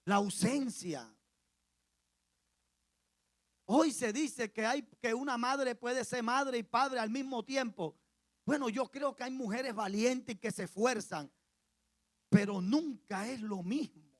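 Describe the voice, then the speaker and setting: A male pastor with a Colombian Caribbean accent preaches a sermon as a story, repeating phrases for emphasis and swinging from soft asides to loud cries. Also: very high-pitched, measured pace, dry recording. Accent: Colombian Caribbean Spanish.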